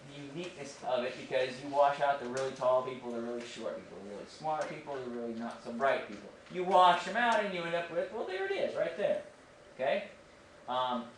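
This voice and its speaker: Guy teaching math to teens, loose and chatty, way off mic in a really echoey room, bit of room hum. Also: medium pitch. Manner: chatty, animated, keeps asking "right?". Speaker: high school math teacher. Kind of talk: casual classroom lecture. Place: classroom. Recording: distant echoey classroom recording.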